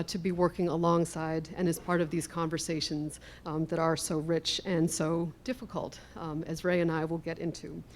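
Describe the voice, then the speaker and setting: A woman speaking as an author at a live event, with measured, gracious and careful phrasing. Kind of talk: live public talk, thoughtful conversation. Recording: noisy live event with rumble.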